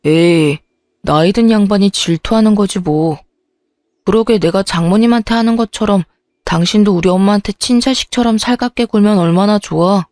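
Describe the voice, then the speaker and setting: A woman's voice: medium pitch, moderate pace, darkish tone, dry recording, studio quality, lightly acted. A woman voicing a selfish, dismissive young husband in a radio-style story reading, talking curtly and brushing things off. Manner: brushing off, curt.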